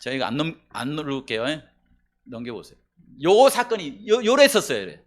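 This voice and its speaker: A man preaching a sermon to his church congregation. His voice sits fairly high for a man. He talks in a conversational way, tossing questions to the listeners, and swings between loud emphatic bursts and low, quiet asides. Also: big pitch swings, a little fast. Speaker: pastor.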